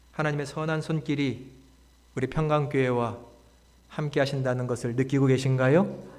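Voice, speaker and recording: A man preaching a sermon as pastor, rising from quiet passages to loud, emphatic lines and reading scripture slowly and solemnly. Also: medium pitch.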